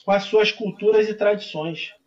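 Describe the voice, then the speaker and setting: A man with a carioca accent, a capoeira master chatting warmly as a podcast guest over a video call. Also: high voice, fairly even intonation, moderate pace, muffled recording. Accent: Rio de Janeiro Portuguese. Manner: warm, effusive, addresses host as friend. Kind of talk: casual podcast interview, singing capoeira songs.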